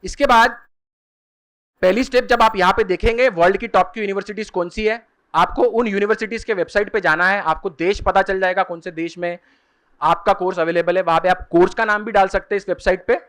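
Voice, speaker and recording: A man with a fairly high voice lectures a seminar audience on study options. He explains step by step, slowing down to spell out and repeat the key terms. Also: fairly even intonation, fairly bright tone. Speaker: career guidance speaker. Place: seminar hall.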